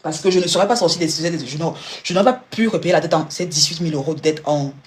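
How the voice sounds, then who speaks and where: Fast, restart-prone woman giving money advice. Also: low voice, a little hiss or hum. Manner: talks fast and informally, with many restarts and repeated words; addresses the listener directly and personally. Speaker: personal finance coach. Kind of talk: live-stream money advice.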